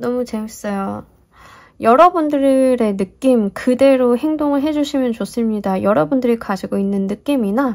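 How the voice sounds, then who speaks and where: A woman talks loudly at a fairly slow pace, her pitch high and her intonation lively. The recording is very clean, with a silent background. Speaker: tarot reader. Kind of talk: general tarot reading. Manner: tends to speak loudly for recording.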